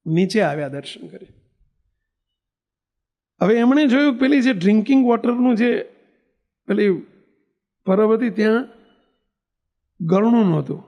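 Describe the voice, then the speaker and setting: A man's voice: high voice, mellow. A man preaching as a Hindu monk, telling a story, asking the audience questions and acting out the dialogue. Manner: asks the audience questions, acts out quoted dialogue. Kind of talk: storytelling sermon.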